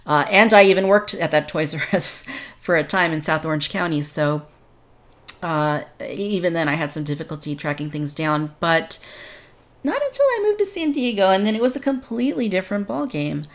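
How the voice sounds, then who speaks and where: A woman with a low voice hosts a conversational podcast. She is from Texas and talks through the discussion as its host. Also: lively intonation, moderate pace. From Texas, United States.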